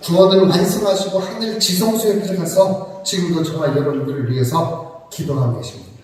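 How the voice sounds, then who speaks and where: Pastor guy, highish voice, chatty sermon w jokes, far off in a big echoey church, faint hiss. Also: a little fast, darkish tone. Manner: conversational preaching with joking asides and rhetorical questions. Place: church sanctuary.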